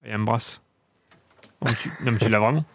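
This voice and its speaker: A man's voice: lowish voice, steady tone, fairly quick, fairly bright tone. A man hosting a radio show with casual, joking banter.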